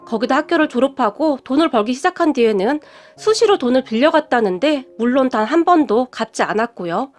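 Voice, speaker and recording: A woman narrating a reader's true story in an even, reported-speech manner, over faint music. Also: high-pitched, a little fast.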